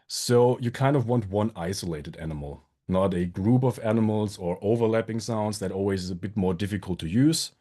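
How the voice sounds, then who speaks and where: A man's voice: lowish voice, normal speed, few pauses, mellow. A man giving a friendly conference talk with self-deprecating jokes, his voice a little strained from being sick. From Germany. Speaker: conference speaker, sound designer. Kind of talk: presentation talk.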